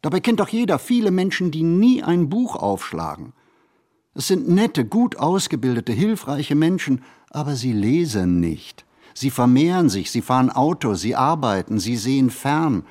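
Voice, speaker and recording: An actor playing a reflective writer in a literary radio play, speaking his monologue in measured, deliberate phrases. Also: medium pitch, big pitch swings, darkish tone. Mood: emphatic, critical. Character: reflective male writer musing on writing and society. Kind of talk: literary radio play monologue, scripted first-person narration.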